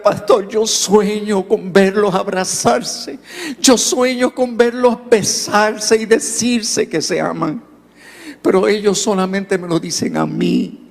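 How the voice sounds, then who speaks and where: Brief: scared tearful preteen boy acted by a man, high and halting, pleading, in a big reverberant hall. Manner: pleading, halting with repeated words.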